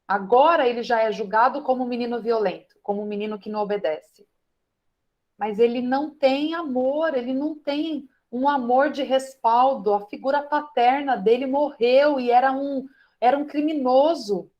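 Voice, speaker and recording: A middle-aged woman teaching an online class. She tells a counseling case and acts out both sides of the talk. Her voice sits fairly high. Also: normal speed, a little mellow, muffled recording.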